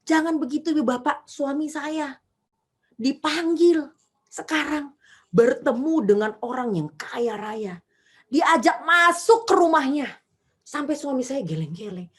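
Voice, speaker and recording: A woman's voice: sits high, expressive, a little slow. A middle-aged woman preaching a revival testimony sermon, emotional and speaking straight to the congregation. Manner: emotional, shifts into quoted voices, addresses the audience directly.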